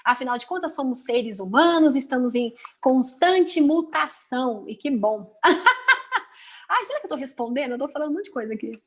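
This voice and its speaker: A Brazilian Portuguese-speaking woman teacher talking casually on a video call, chatty and expressive, with many rhetorical questions and quick asides. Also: high-pitched. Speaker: teacher, invited guest. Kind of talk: casual web conference talk.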